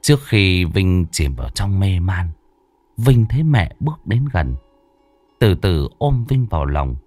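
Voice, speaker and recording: A man narrating a ghost story in a slow, dramatic, hushed telling. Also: deep voice, sing-song, no echo. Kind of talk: scripted horror story narration. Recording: dry close voice with faint music.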